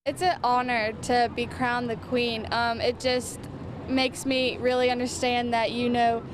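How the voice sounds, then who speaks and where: A woman's voice: fairly high pitch, little pitch movement, unhurried. A woman speaking off the cuff in an interview soundbite, recorded on location. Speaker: festival queen being interviewed. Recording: noisy outdoor location recording.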